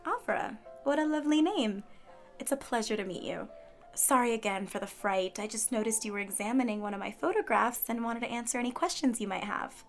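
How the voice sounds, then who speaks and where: A woman's voice: on the high side, brisk, soft background music, close to an everyday voice. A woman playing a gracious water nymph photographer in a fiction podcast, with a polite, effusive manner. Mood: gracious, apologetic.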